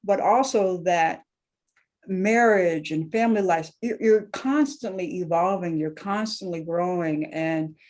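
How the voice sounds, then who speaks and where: A woman's voice: fairly low pitch, a little slow. Woman hosting a podcast interview. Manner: warm, affirming, conversational questions. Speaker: podcast host.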